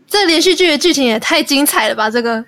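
A woman's voice: sits high, lively intonation, fast talker, a bit bright, no echo. A woman hosting a call-in show, asking short questions and reacting with exclamations. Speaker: podcast host. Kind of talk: call-in radio-style chat.

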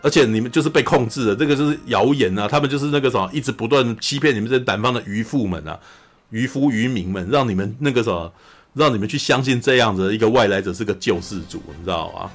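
A man from Taiwan, co-hosting a podcast and chatting casually about a film, animated, acting out scenes and often saying "you know". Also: mid-range voice, quick pace. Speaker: podcast co-host. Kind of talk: casual film review chat.

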